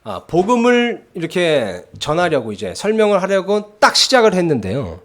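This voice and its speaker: Animated male preacher, lively pitch. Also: normal speed. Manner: conversational, checks in with the congregation. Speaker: pastor. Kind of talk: sermon with personal story. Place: church sanctuary.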